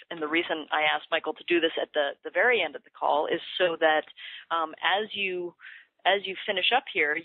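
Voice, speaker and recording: A woman's voice: fairly low pitch, dry recording. A woman hosting a conversational webinar over a call line. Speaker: host. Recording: band-limited phone call audio.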